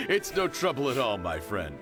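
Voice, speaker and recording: A man's voice: on the high side, full character voice. A man voicing a genial, generous middle-aged shopkeeper in a video game, hearty and avuncular.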